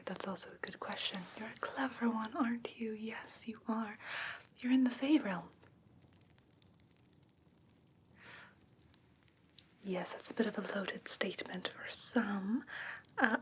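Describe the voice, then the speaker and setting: Slow, whispering fae creature, played by a woman. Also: mid-range voice, noisy background, close to an everyday voice. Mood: soothing, coaxing. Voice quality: breathy whisper. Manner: soothing, halting, doting personal address. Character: whimsical fae woman, coaxing, condescendingly sweet, seeking a human pet. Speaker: ASMR roleplay performer. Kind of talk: whispered ASMR fantasy roleplay.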